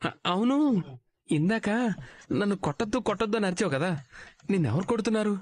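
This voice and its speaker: An actor playing a gullible superstitious young husband in a TV serial, complaining fretfully. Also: male voice, high voice, lively intonation, quick pace, no room sound. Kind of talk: TV serial acting.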